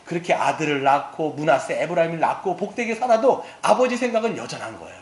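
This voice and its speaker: Animated male pastor in an echoey church. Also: fairly high pitch, quick pace. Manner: animated storytelling, asks the congregation questions. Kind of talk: sermon. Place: church sanctuary. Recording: echoey hall with faint background hiss.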